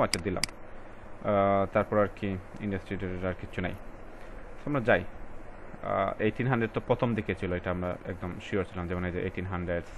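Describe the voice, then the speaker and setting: Tutor reading English words slowly. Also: male voice, low-pitched, noisy background. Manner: switches between Bengali and English, reads passage lines slowly and stresses words; addresses students directly, casual colloquial. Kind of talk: recorded exam-prep lesson.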